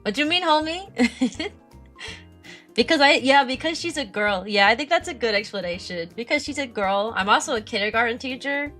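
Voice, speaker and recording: A young woman streaming live, chatting casually with her viewers and answering their messages. She talks and giggles in a high voice. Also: lively intonation, moderate pace, fairly bright tone, soft background music. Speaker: VTuber streamer.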